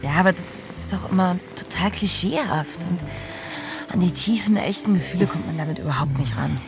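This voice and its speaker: Low-voiced, guarded woman in her thirties acted. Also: fairly quick, over music, lightly acted. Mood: guarded, sardonic. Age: 30s. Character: guarded, sardonic woman of 32, uneasy with closeness. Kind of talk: radio play dialogue.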